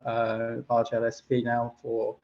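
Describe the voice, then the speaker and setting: A man born in Chile and raised in the UK, a podcast guest speaking haltingly about machine translation, with many fillers. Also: mid-range voice, completely flat delivery, dull audio. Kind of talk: casual interview chat.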